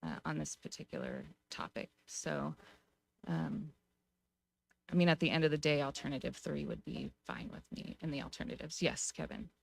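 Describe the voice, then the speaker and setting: An American woman speaking as a city council member at a public meeting, giving her view in a measured, informal way. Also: low-pitched, expressive, creaky. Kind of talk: deliberative public meeting remarks.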